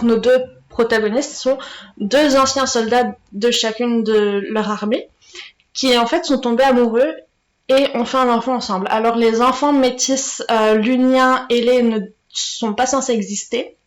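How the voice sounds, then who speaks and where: Chatty higher-voiced woman in an echoey room. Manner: chatty, hesitant, many fillers and restarts. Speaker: booktuber. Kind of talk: casual book review vlog.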